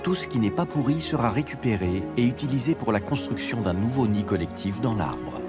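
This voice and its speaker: A man's voice: medium pitch, lively intonation, a little fast. A man reading scripted narration for a nature documentary, with music behind him. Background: background music.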